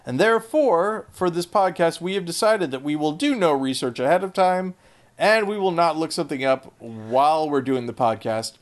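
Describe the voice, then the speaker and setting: Male podcast co-host, fairly high voice, dry sarcastic humor, wanders into asides. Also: normal speed. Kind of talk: casual chat.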